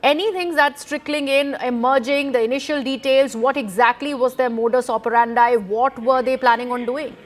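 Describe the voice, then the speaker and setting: A woman's voice: high-pitched, fairly even intonation, moderate pace, few pauses. A woman with an Indian accent anchoring live television news, recapping details and putting questions to a reporter.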